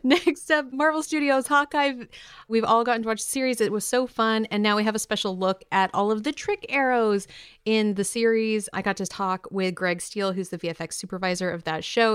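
A woman's voice: medium pitch, clean tone, no room sound, studio quality. A woman co-hosting an entertainment podcast, sharing news in a bubbly, playful, enthusiastic chatty style. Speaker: podcast co-host. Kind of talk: upbeat co-hosted podcast chat about entertainment news.

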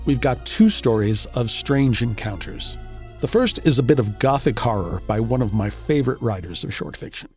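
A man's voice: mid-range voice, lively intonation, normal speed, darkish tone. Male podcast host over faint music. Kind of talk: scripted podcast introduction.

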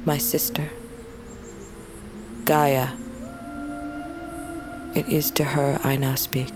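A woman's voice: a bass voice, flat delivery, very slow, exaggerated voice. An actress playing a stubborn, hot-tempered young woman who works as a tribal butcher, speaking earnestly and solemnly in prayer. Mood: prayerful. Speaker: Azera, queen's daughter. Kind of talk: audio drama acting. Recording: noisy ambience bed.

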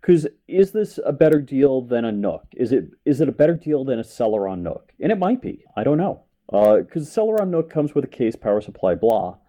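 A man's voice: medium pitch, big pitch swings, fairly quick, few pauses, dark tone. A man co-hosting a casual tech chat, thinking aloud and hesitant while he looks things up.

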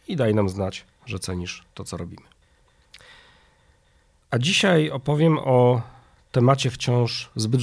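Male podcast host, medium pitch. Nasal, congested, hoarse delivery with noticeable vocal fry. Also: a little mellow. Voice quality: nasal, stuffed-nose voice. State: hoarse from a viral illness. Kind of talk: podcast monologue, partly scripted.

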